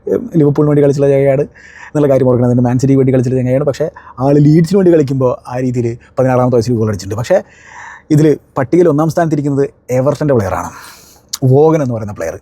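A man's voice: medium pitch, racing, warm tone, dry recording. A man reviewing a football match in a conversational analyst style, breaking into emphatic exclamations.

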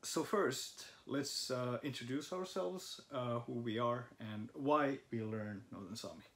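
A young man from Finland, native in Finnish, talks casually in a language-study vlog from his living room sofa, thinking aloud with fillers. His medium-pitched voice is fairly bright and his pace measured, picked up by a camera facing the couch.

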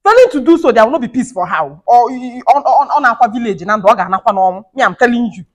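A woman's voice: fairly high pitch, animated, fairly quick. A woman playing a fiery young wife who rants and scolds, repeating herself. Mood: scolding. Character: fiery young wife feuding with her mother-in-law. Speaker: skit actor. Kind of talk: comedy skit acting.

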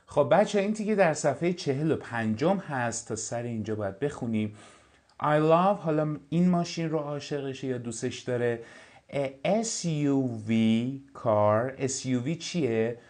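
A man with a Persian accent runs a relaxed English lesson, and his pitch rises and falls a lot. He reads English phrases slowly and with care, then rattles off quick explanations. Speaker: English teacher. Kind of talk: casual lesson explaining a textbook.

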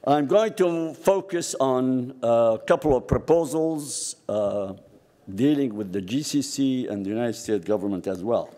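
Older syrian-born guy at a podium, mellow dark voice, big hall echo. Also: medium pitch, animated. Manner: formal, measured, with frequent uh pauses. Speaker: conference commentator, professor. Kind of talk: conference speech. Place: large conference hall. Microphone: podium microphone. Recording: long hall reverb.

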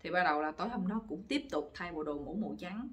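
A woman telling a bawdy story casually to viewers, lively and gossipy, laughing often. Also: fairly low pitch, quick pace. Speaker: storytelling channel host.

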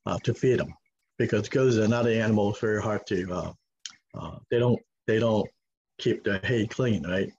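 A man's voice: on the low side, a little hiss or hum. Hong Kong-accented man on a muffled video call. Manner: halting, many fillers and restarts. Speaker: farm owner, guest. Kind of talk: casual interview answers. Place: home room with log walls, indoors.

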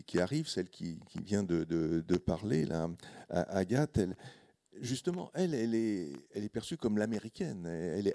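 Older male interviewer, lowish warm voice, handheld mic, halting repetitive phrasing. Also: gravelly. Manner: stumbling, repeats words as he builds questions. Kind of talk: live literary interview. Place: indoor event room with audience. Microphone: handheld microphone.

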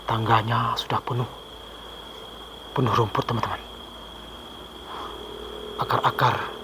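Holding a handheld camera, this middle-aged man wanders an overgrown, abandoned building after dark, speaking quietly to viewers as a ghost-hunting vlogger and at times shouting out to spirits. He talks in a steady, medium-pitched tone at a measured pace, with the faint noise of crickets and insects behind him.

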